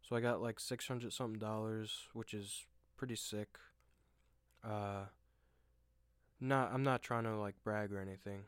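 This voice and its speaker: A young man hosting a solo podcast, rambling and self-deprecating with lots of fillers and restarts, with a deep voice. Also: fairly even intonation, unhurried, clear, resonant tone, no echo. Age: young adult. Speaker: podcast host. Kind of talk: casual solo monologue. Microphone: desk microphone at home.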